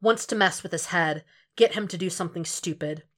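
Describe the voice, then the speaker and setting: A woman's voice: lowish voice, a little fast, fairly bright tone. Woman narrating a dramatic story. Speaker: fan fiction audiobook narrator.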